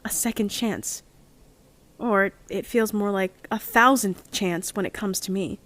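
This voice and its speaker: A woman's voice: medium pitch, measured pace, fairly bright tone, close to an everyday voice. A woman playing an earnest, lovestruck young member of a heist crew in an audio drama, speaking in a heartfelt, confessional way. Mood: remorseful, tender. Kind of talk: audio drama monologue and dialogue.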